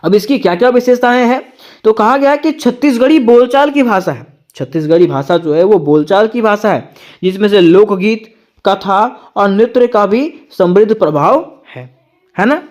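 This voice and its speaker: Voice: medium pitch, moderate pace, darkish tone. A tutor giving an exam-prep lecture, asking rhetorical questions and answering them, repeating each point twice.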